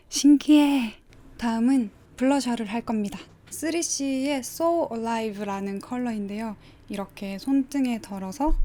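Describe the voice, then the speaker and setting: A woman's voice: fairly high pitch, mellow. A woman beauty vlogger giving a casual make-up tutorial in a polite, explanatory, step-by-step manner.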